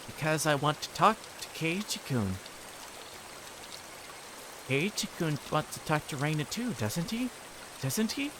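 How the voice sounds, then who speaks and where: Man voicing an eerie, high-pitched insistent teenage girl. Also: very animated, a little slow, long pauses, background noise. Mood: insistent, coaxing. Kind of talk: visual novel character read aloud.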